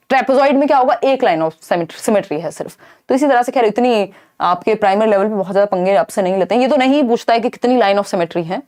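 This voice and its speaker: A woman's voice: medium pitch, darkish tone. A young Indian woman giving an exam-prep lecture, explaining in Hindi with English terms and answering her own questions. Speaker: teacher.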